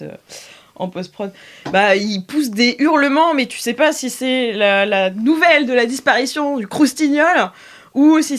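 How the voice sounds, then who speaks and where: A young woman narrating as game master of an improvised tabletop game, hesitating with fillers and laughing often. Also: high voice.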